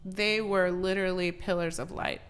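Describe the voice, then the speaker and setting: A woman's voice: lowish voice, moderate pace. A woman from Iran, a guest on a podcast, chatting and telling stories with lots of laughter. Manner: bubbly, laughs often, animated storytelling. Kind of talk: casual interview chat.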